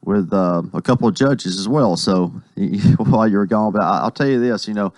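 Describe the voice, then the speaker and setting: A friendly man chats on local radio in a slightly hoarse, fairly low voice. The sound is dry and close. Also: moderate pace, darkish tone, dry recording. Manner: friendly, chatty, chuckles. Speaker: town mayor guest. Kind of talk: radio interview.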